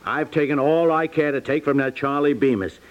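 An actor playing a stubborn, stammering husband with wounded pride in a 1950s radio comedy. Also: male voice, a little high, normal speed, close to an everyday voice. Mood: indignant, stubborn. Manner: stammering, exasperated. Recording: muffled vintage 1950s radio recording.

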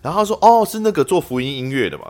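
A man's voice: a little high, sing-song, rapid-fire, darkish tone. A man with a Taiwanese Mandarin accent, hosting a casual interview in a chatty storytelling manner. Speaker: podcast host interviewing a musician.

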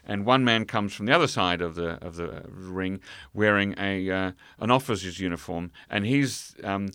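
A man telling a travel story in an interview, halting, full of fillers and restarts. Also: sits low, sharp tone, smooth, no room sound, clean studio sound. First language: English. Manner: hesitant, many fillers and restarts. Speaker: guest. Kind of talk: conversational storytelling.

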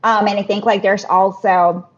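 A woman in her thirties from the Philippines talks casually as a guest, stacking up fillers and restarting her sentences. Her voice has a husky edge. The recording sounds muffled and lo-fi. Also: medium pitch, fairly even intonation, normal speed. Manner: chatty, many fillers and restarts. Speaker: podcast guest. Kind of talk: casual interview talk. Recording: muffled lo-fi audio.

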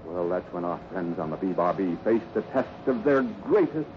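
A man's voice: low voice, lively intonation, normal speed. A man narrating a 1950s radio western in a dramatic scripted style. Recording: noisy, muffled old radio recording.

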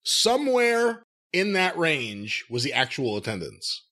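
A man's voice: on the high side, big pitch swings, measured pace, pushed and bright. A man co-hosting a wrestling podcast, factual and reading details from his notes. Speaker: podcast co-host. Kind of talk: casual wrestling podcast chat.

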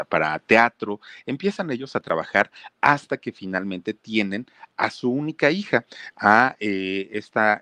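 A man's voice: fairly low pitch, a bit bright, no room sound. A man with a Mexican accent casually telling a story, talking straight to his listeners with plenty of fillers. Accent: Mexican Spanish. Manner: chatty, addresses listeners directly, many fillers.

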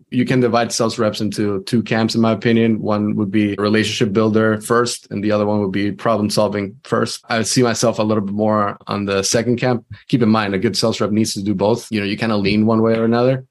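A man from Venezuela, a sales leader, talking casually as an interview guest with frequent restarts. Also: on the low side.

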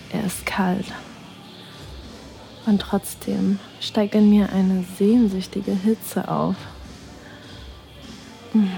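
A woman narrates an intimate audio drama very slowly in a warm, mellow tone, breathy and sensual, with soft music under her voice. She keeps sinking into near-whispers. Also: medium pitch.

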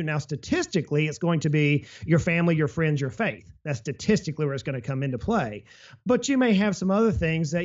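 Energetic man with a slightly raised pitch. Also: muffled recording. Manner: energetic, explains with travel analogies and hypothetical quotes. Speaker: financial advisor guest. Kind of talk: casual business podcast talk.

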